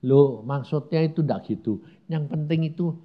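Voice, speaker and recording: A man with a slightly high voice preaches a conversational sermon, posing rhetorical questions. In quick asides he acts out little prayers and objections. The high frequencies of the recording are cut off.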